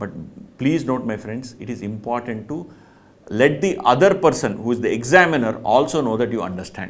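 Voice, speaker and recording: With audible room echo, a man in an Indian accent speaks at a fairly quick pace and medium pitch with lively intonation. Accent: Indian English (Telugu). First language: Telugu. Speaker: CA exam teacher, edtech co-founder. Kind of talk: talk to students. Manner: earnest, persuasive.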